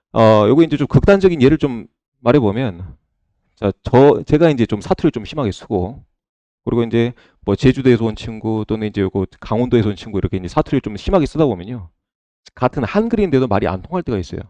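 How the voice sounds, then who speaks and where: A man's voice: mid-range voice, no room sound, dull audio. A middle-aged man giving a recorded online lecture, often checking in with his class and asking them questions. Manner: repeats "자" and checks in with "그죠?"; lively, asks the class questions.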